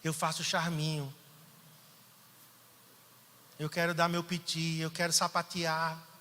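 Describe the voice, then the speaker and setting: A man from Brazil preaching to his congregation, his high voice bright and tense. He turns from hushed, intimate passages to sudden emphatic bursts. The sound rings with long reverb from a church hall. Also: takes it slowly. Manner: animated, shifts from soft to emphatic preaching. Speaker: pastor. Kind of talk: sermon.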